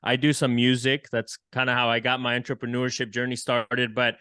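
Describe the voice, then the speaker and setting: A man from El Salvador, a musician and entrepreneur, telling his story in a relaxed, friendly way as a podcast guest. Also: medium pitch, brisk, clear, resonant tone, no room sound, clean studio sound. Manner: relaxed, friendly, with frequent fillers. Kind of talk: casual interview storytelling.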